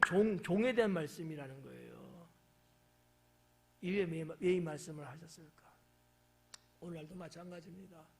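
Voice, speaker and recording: A man's voice: high-pitched, darkish tone, a little hiss or hum. A male pastor preaching a casual, conversational sermon at an evening church service, often quizzing the congregation and acting out quoted lines. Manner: acts out quoted lines in shifting voices.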